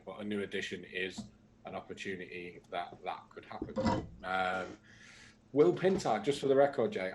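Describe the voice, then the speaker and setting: A man's voice: low-pitched, noisy background. A man, co-hosting a casual livestream and chatting through viewer comments. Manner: chatty, reads out comments with asides. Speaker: co-host reading viewer comments.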